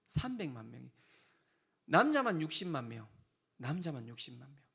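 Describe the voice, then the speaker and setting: A man's voice: mid-range voice, sing-song, normal speed, creaky, sharp tone, slightly rough. A man preaching a sermon as pastor, telling the story with humor and acting out quotes in exasperated voices.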